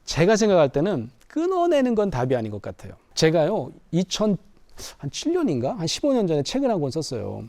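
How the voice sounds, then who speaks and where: A middle-aged man, a counseling professor, explaining ideas in an animated storytelling manner. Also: on the high side, brisk, no echo. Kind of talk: explanatory talk to camera.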